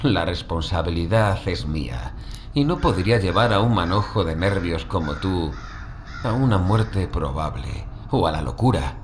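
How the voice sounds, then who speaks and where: A very deep-voiced, imperturbable man from in a horror radio play. He talks with cool condescension and swooping intonation, with faint background noise behind him. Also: sing-song, moderate pace. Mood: cool, condescending. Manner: cold, assured, condescending. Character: coolly imperturbable, condescending male occult investigator. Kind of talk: horror audio drama. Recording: faint outdoor ambience noise.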